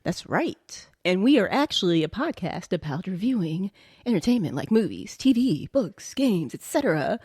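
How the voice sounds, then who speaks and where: Animated woman chatting on a podcast. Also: mid-range voice, slightly rough, no room sound, clean studio sound. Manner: light-hearted, quick to laugh. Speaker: podcast co-host. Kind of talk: casual banter between co-hosts.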